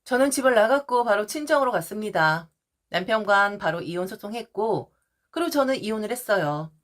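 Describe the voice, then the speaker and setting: A woman narrating a first-person family story in a confiding, expressive way. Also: mid-range voice, a little fast.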